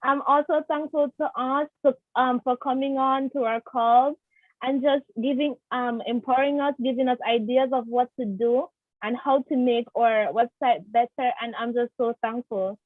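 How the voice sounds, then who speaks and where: A high-voiced woman gives grateful, hesitant feedback. Her audio is thin and phone-like, with a dry sound and no room. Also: fairly even intonation, normal speed, dry recording. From Jamaica. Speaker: hackathon participant. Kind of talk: casual spoken feedback. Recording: tinny phone-like call audio.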